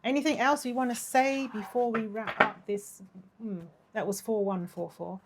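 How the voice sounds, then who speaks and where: A woman's voice: fairly high pitch, fairly even intonation, normal speed, heavy background noise. Woman losing her voice, doing a tarot reading. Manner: gushing, affectionate, with frequent laughs. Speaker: tarot reader. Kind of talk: casual tarot reading to camera.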